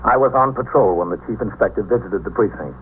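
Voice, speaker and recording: An actor playing a calm police captain who narrates in a measured, matter-of-fact 1950s radio drama style. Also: male voice, fairly low pitch, close to an everyday voice. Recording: tinny old radio recording with faint hiss.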